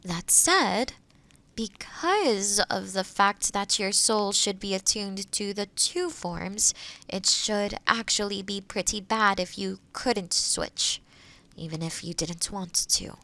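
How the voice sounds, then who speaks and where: A woman playing a kind, gentle forest witch in an audio roleplay, speaking softly and soothingly to the listener. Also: mid-range voice, slow pace. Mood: gently reasoning. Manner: soothing, caring, softly breaking into whispers. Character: kind, gentle forest witch who loves helping others.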